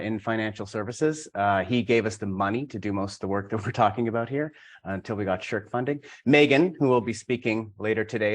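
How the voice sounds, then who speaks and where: A middle-aged university administrator, a man, giving a measured, matter-of-fact conference talk. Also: lowish voice.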